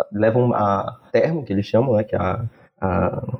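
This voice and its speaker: Here a man speaks at a moderate pace in a medium pitch. His pitch swings are very wide. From northern Brazil, Macapá. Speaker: film student, photographer. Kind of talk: casual interview chat.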